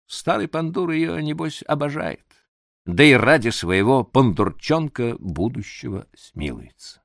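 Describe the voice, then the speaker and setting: A man's voice: mid-range voice, sing-song, unhurried, gravelly, no room sound, studio quality, voice pushed up. A man reading an audiobook, voicing an older prince who frets and coaxes for an answer. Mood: musing.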